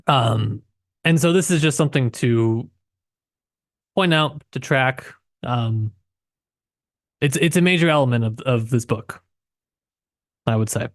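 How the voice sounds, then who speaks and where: A man co-hosting a book podcast, reflecting casually and haltingly as he searches for his words. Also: medium pitch, no echo, studio quality. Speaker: podcast co-host.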